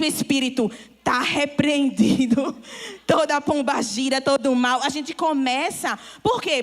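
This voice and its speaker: A young woman youth leader speaking at a church gathering, animated and acting out little voices as she teaches. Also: high voice. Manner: animated, acts out voices of body and soul. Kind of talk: church talk with live role-play. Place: church hall.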